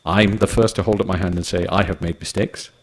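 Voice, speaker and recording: A man opens an afternoon conference session with a relaxed, joking manner. His voice sits a bit low, and his pacing is steady and measured. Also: slightly rough. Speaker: session moderator. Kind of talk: conference chairing speech.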